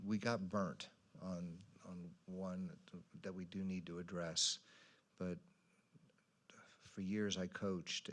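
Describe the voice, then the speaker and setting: A man speaking as a council member in informal meeting remarks, halting and wandering into asides. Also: low-pitched.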